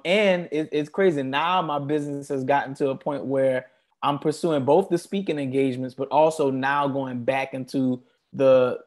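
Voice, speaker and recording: A man's voice: fairly high pitch, darkish tone. A man being interviewed about his work in education, speaking articulately in a reflective, storytelling way. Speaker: guest, education consultant and speaker. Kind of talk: casual interview.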